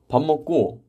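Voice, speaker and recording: A young man hosting a casual livestream from a vocal practice room, reading viewer comments aloud and answering them in a relaxed, chatty way. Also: a little high, slightly rough, highs cut off. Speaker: idol livestream host.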